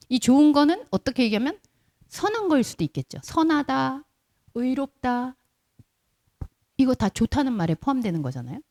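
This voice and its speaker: A woman pastor delivers a sermon in a church, speaking like she's chatting with the people in front of her. She keeps asking them rhetorical questions. Her pitch moves up and down a lot, and her voice sounds soft and warm. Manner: conversational preaching with rhetorical questions to the congregation.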